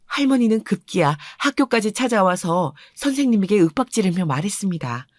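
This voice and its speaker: A woman telling a first-person life story in calm, confiding scripted narration. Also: medium pitch, a little fast, dry recording.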